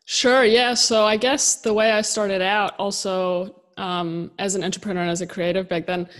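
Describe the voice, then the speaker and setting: A woman's voice: mid-range voice, flat delivery, moderate pace, in a large hall. A woman from southern Germany in her thirties, a guest in a casual interview, speaking English with an easygoing, reflective manner and frequent laughter. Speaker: podcast guest. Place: home room, indoors. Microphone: video call with desk microphone.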